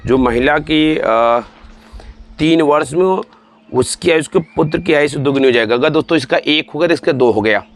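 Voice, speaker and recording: A man in his forties teaches exam-prep math at a moderate pace in a fairly high voice. He walks students through every step, repeats himself, and calls them friends and dear ones.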